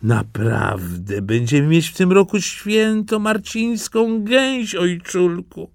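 Man doing old farm wife, doting, gushing, high lilting voice, dry close sound. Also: expressive, takes it slowly, vocal fry, no echo, full character voice. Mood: gushing delight. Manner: gushing, delighted.

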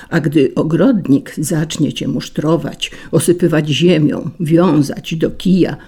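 A woman's voice: deep voice, dark tone, breathy edge, heavily acted. A woman voicing a restless, mocking male breeze in a storybook fable, teasing and scornful in manner.

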